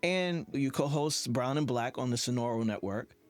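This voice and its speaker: A man's voice: medium pitch, moderate pace. A man with a mid-range voice hosts a podcast interview. He speaks in an affirming, conversational way, with faint music underneath. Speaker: interview host.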